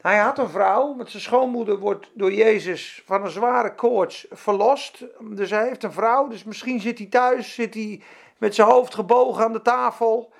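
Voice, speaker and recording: A man's voice: sits high, unhurried, vocal fry. A man preaching a sermon, retelling scripture in a fervent, conversational way with casual asides.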